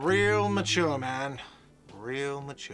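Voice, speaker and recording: A man puts on a whiny character voice. His pitch sits in the medium range. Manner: whiny, accusatory.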